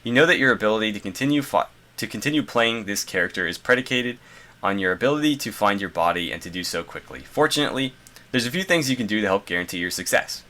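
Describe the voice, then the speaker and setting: A man's voice: on the low side, expressive, quick pace, bright, forceful tone. A congested man reading a game design journal aloud and adding casual asides with fillers. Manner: reads passages then adds loose asides with fillers. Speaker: gaming video host.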